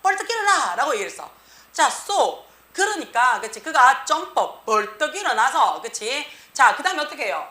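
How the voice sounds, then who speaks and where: A woman teaching an English grammar class, checking in with the students after nearly every phrase. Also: a little high. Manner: tag question after nearly every phrase, lively reading. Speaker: English teacher at a cram school. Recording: echoey room.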